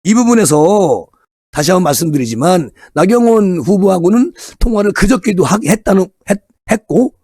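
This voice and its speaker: A man with a high, very lively voice talks through a casual political commentary. He is animated and chatty, and he slips into low muttered asides now and then. He sounds close and dry, with no room sound at all. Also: normal speed, breathy edge, dry recording. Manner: animated, acts out crowd chants in raised voice.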